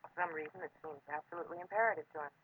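An actress playing an earnest, insistent American hospital nurse in a 1940s radio drama. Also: female voice, fairly low pitch, very fast, breathy edge, narrow, tinny audio. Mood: worried, earnest. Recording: thin, band-limited vintage radio recording.

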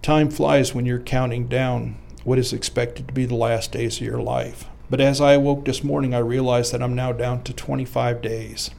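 A middle-aged man talks about life on death row, stopping and starting with plenty of fillers. His voice is gravelly with fry, at an average pitch for a man, and a faint hum of ambience sits behind him. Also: darkish tone. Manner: halting, many fillers. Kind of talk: recorded interview and reading his own writing.

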